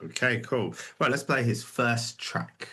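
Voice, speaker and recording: A man's voice: mid-range voice, expressive, measured pace, pushed and bright, slightly rough. A man co-hosting a music livestream, chatting casually with lots of hesitations. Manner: rambling, easygoing, many hesitations. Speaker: co-host of a music review livestream. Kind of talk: casual chat.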